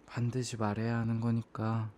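A man in an ASMR role-play as an apologetic, self-blaming young boyfriend, speaking in a soft, intimate, hesitant murmur. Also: medium pitch, completely flat delivery, normal speed, a little hiss or hum.

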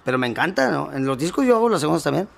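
A man's voice: fairly high pitch, very animated, racing, vocal fry, a bit bright. A male singer, talking casually in an interview, rambling with many restarts and slang.

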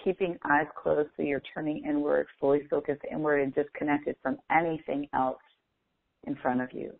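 A woman leading a guided meditation as a coach, speaking in a slow, deliberate, instructive manner with long pauses. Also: sits low, little pitch movement, vocal fry, dry recording. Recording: phone-like thin, band-limited audio.

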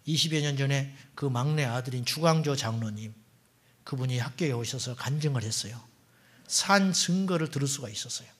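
A middle-aged man, the pastor, preaching a sermon in a church and swinging between loud exclamations and hushed whispers. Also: mid-range voice, a little fast, breathy edge. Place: church sanctuary.

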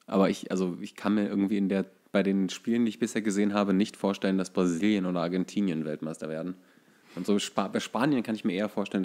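Low-pitched man with a creaky voice. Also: a little mellow. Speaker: podcast co-host. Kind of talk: casual football chat.

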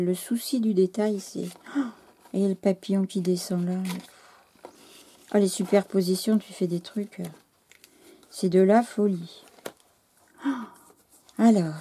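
With a warm, mid-range voice, a French woman hosting a scrapbooking channel chats to camera in a gushing, casual way. She halts, loses her words, and goes hoarse, and a little hiss or hum sits in the recording.

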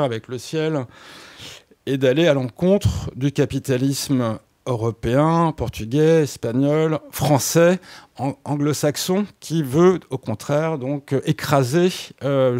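A man's voice: medium pitch, a little mellow, no room sound. Hesitant man on studio radio. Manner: hesitant, many restarts and fillers. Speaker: radio guest. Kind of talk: radio interview, explaining music history.

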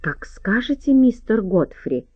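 A woman's voice: fairly low pitch, expressive, a little slow, a little mellow, no room sound, dull audio. A woman reading an audiobook, voicing a small, deferential manservant who speaks pleasantly and politely.

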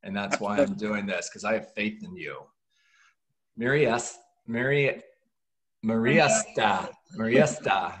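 A middle-aged man hosting a group meeting, speaking deliberately and repeating words as he encourages the group. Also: on the low side, fairly bright tone, poor audio. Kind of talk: motivational group facilitation. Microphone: computer mic on a video call, no headset.

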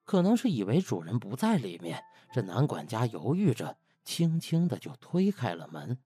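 A man's voice: medium pitch, wildly swooping pitch, normal speed, warm tone. A man narrating a comic audiobook in a colloquial, theatrical storytelling manner. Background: music.

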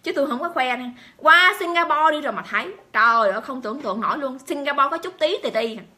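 A woman's voice: sits high, expressive, fast, pushed and bright. A woman talking straight to her viewers. She keeps exclaiming and firing rhetorical questions at them. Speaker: vlogger addressing viewers. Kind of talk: emphatic monologue to camera.

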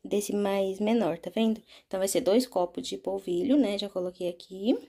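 A Brazilian woman talks through a home recipe in an informal, chatty style. Her voice sits at a medium pitch. She keeps turning to her listeners with little check-in questions as she explains. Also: normal speed, warm tone, husky. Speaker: home cooking vlogger. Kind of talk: casual recipe narration.

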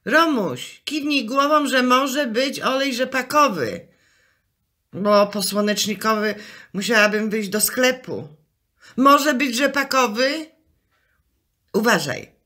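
A woman's voice: medium pitch, a bit bright. A woman playing a chatty, fussing, cheerfully muddled wife in an amateur radio comedy, coaxing and exclaiming.

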